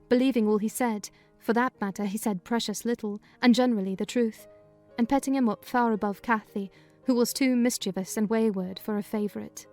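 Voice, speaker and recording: A woman giving a dramatized first-person reading of a classic novel in measured, clear storytelling. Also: fairly high pitch, a little mellow. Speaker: reader of a novel.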